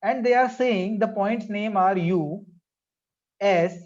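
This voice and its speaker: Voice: medium pitch, slow, darkish tone, lo-fi sound. A teacher with a South Asian accent leading an interactive online maths class, repeating phrases and questions to prompt pupils.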